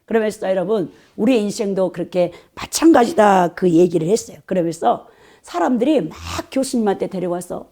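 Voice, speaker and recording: With a medium-pitched, expressive, dark-toned voice, a woman pastor delivers a sermon full of animated stories. She keeps checking in with the congregation through quick "eh?" asides.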